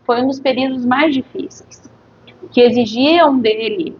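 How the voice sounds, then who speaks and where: A woman from southern Brazil, a nurse, talking about her family in a relaxed interview, pausing often and adding tag questions. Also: high voice. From Criciúma, Santa Catarina, Brazil. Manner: reflective, hesitant, frequent tag questions. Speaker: guest, nurse. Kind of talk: casual interview chat. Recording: dull lo-fi audio with faint noise.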